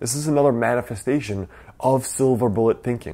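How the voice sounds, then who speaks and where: A man's voice with a dark, mellow tone, ordinary pitch variation and a fairly quick pace. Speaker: self-improvement creator. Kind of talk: casual vlog commentary. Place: home room.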